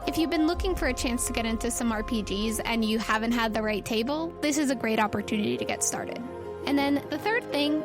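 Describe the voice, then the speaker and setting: A high-voiced woman, the game master and host of a tabletop game podcast, delivers announcements and storytelling narration with music playing behind her voice.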